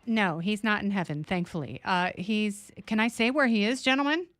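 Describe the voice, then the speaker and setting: A woman guest-hosting a casual political podcast, quick and sarcastic with jokey asides. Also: medium pitch, a bit bright, no room sound, faint music behind. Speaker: guest host.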